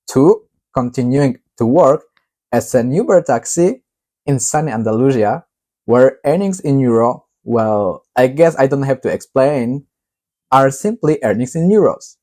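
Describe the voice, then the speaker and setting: Guy reading his own novel out loud, warm mellow tone, steady with lots of little pauses. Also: mid-range voice. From Poland. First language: Polish. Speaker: author.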